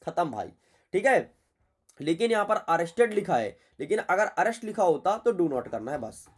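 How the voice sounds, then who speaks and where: A man's voice: sits high, big pitch swings, normal speed. Chatty man teaching exam answers. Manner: chatty, scolding, repeats points. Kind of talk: exam paper walkthrough lesson.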